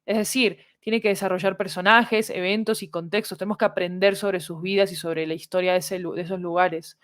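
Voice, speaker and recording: A woman's voice: fairly low pitch, fairly even intonation, a little fast, dry recording, studio quality. A woman, speaking as an interview guest and explaining ideas articulately, point by point. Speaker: interview guest, audio fiction creator.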